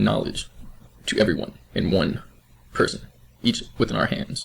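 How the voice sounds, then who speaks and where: A man talks at a moderate pace. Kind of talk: casual spoken presentation to camera. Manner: whispered.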